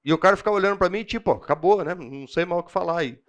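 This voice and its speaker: A man teaching a church Bible class in a relaxed, conversational style. He tells anecdotes with lots of energy and casual slang, and his voice sits somewhat high for a man. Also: rapid-fire. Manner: animated storyteller, slangy and chatty.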